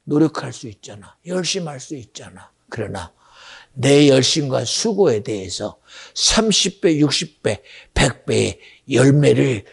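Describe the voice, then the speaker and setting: A middle-aged man preaching a sermon as pastor, talking directly to his congregation with questions, dropping to hushed asides and rising to shouts. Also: medium pitch, sing-song, unhurried, creaky, breathy edge.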